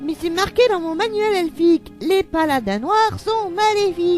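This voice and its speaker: Clear music plays in the background as someone performs a put-on character voice at a moderate pace. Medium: audio drama. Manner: whiny, hesitant, stammering 'mais, euh'.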